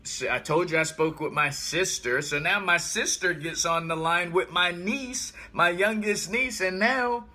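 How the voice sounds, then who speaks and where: High-pitched, bright-voiced American man. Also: measured pace, few pauses. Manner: animated storytelling, repeats himself for emphasis. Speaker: vlogger. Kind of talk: casual livestream chat, thinking out loud. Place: small room indoors.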